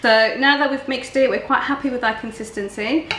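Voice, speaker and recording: A woman's voice: fairly high pitch, fairly even intonation, a little fast, very noisy. A woman in her thirties demonstrating a recipe as guest cook, explaining each step in a practical, plain way. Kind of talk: casual cooking demonstration. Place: home kitchen, indoors. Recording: roomy kitchen with faint ambience.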